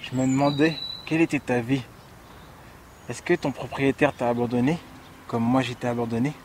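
A man's voice: mid-range voice, fairly even intonation, fairly quick, a little hiss or hum, close to an everyday voice. A young man playing a hurt, abandoned loner in a fan film drama. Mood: dejected. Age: young adult. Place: outdoors in a wooded park.

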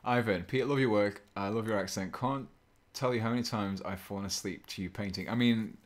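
Male streamer, deep and even, relaxed chatty delivery at a painting desk. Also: fairly quick. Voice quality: low, fairly monotone voice. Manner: relaxed, chatty, chuckles often, reads chat aloud. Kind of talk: casual live stream chat while painting.

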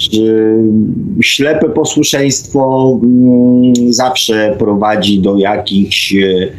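A man hosting a reflective radio discussion, speaking haltingly and often adding tag questions. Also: on the low side, steady tone, poor audio.

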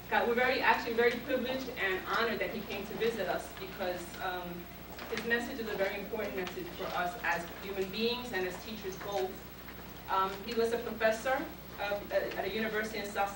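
A middle-aged woman teaching a college class, casually introducing a guest speaker from a sheet, taped by a far camera. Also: mid-range voice. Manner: casual, reads from a sheet, fillers. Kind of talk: classroom lecture. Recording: echoey room, from far off, hissy.

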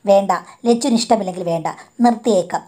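A woman's voice: mid-range voice, fast, dark tone, close to an everyday voice. A woman voicing a young man who begs and sulks when refused. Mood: sulking. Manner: wheedling, begging. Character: young man, pleading and sulky.

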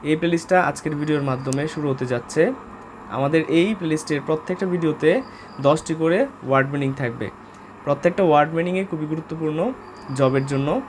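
Bangladeshi guy teaching english words, bit high voice, lots of uhs, faint hiss behind. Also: fairly quick. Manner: informal and hesitant, frequent "uh" fillers, spells words out letter by letter. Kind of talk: casual spoken vocabulary lesson.

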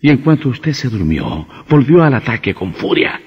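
An actor playing a grim, insistent vampire hunter who lectures sternly in an old radio drama. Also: male voice, medium pitch, big pitch swings, moderate pace, breathy edge. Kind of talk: vintage radio drama acting. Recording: muffled old radio recording with reverb.

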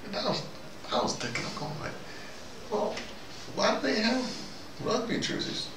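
A man's voice: very high voice, animated, moderate pace. An older man giving a rambling, conversational monologue to camera, digressing and putting questions to himself as he muses. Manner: digressive, musing, often asks himself questions. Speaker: video diarist delivering an opinion monologue. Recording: roomy, distant mic, noisy ambient background.

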